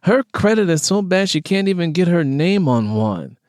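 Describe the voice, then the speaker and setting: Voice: medium pitch, sing-song, moderate pace, a little mellow, no room sound, clean studio sound, voice pushed up, natural voice. An audiobook narrator voicing a brash, crude, taunting young Latina woman with slangy, profane talk and mocking laughs. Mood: irritated, snippy. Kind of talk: audiobook character dialogue.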